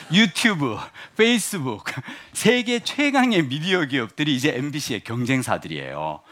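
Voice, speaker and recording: Lively Korean man giving a talk. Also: mid-range voice. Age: 50s. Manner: lively, jokey, asks the audience questions. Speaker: lecturer. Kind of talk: motivational lecture to an audience.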